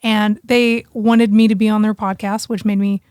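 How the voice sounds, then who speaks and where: A woman co-hosts a podcast, sharing personal stories in an informal, chatty style. Her pitch is average for a woman. She is recorded close up with a dry, roomless sound. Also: level tone, moderate pace, a little mellow, dry recording. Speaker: podcast co-host. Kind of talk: casual chat, personal storytelling.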